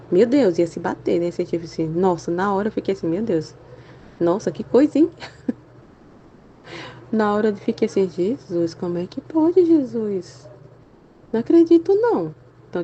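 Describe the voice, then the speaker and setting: An adult woman giving a casual spiritual talk for a Catholic channel, chatty and animated, sprinkling "né?" through her speech while feeling unwell and weary. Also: mid-range voice, vocal fry, muffled recording, slight background noise. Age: adult with a school-age son and husband. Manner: chatty, constant "né?" tags, animated exclamations.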